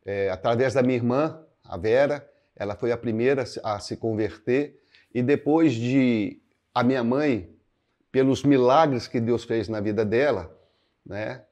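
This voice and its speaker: A man in his sixties from Minas Gerais, a pastor, answering interview questions to camera in an unhurried, reflective way, hunting for words and often adding tag questions, recorded with a lapel mic in a living room. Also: medium pitch, darkish tone, highs cut off. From Minas Gerais, Brazil. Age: 60s. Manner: unhurried, searching for words, frequent "né" fillers, gestures with both hands. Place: indoors, living room with paintings. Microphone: clip-on lapel mic.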